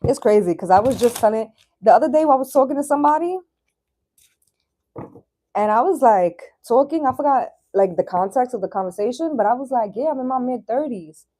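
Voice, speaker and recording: A woman's voice: fairly high pitch, lively intonation, a little fast, mellow. A woman in her thirties talking as a tarot reader on a livestream, in a chatty, slangy, casual way that takes in some swearing. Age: 30s. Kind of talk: casual live chat and tarot reading.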